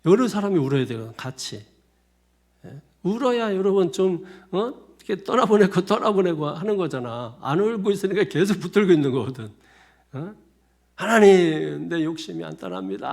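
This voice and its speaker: Gravelly man preaching a casual sermon. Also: high voice, a little mellow. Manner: colloquial, repetitive, chuckling asides. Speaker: pastor.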